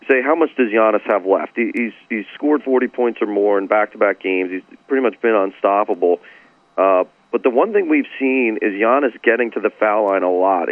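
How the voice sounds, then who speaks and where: A hoarse man who has partly lost his voice, a sportsbook director giving measured betting analysis with many "uh" fillers over a phone call. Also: on the low side, dry recording. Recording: tinny phone line.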